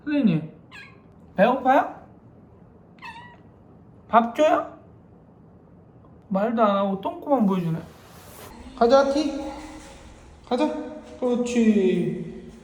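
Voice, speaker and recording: A man's voice: very high-pitched, lively intonation, slow pace, long pauses, darkish tone. A man talking playfully to a kitten at home in coaxing baby talk, in casual vlog style. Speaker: vlogger, kitten owner. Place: home indoors. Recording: echoey room with faint noise.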